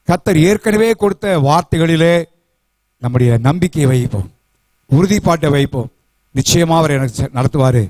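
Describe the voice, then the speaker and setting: A man's voice: a little high, a little mellow, no room sound. A man preaching a Sunday sermon as pastor, emphatic and rhythmic, asking the congregation questions and repeating key words. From South India. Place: church.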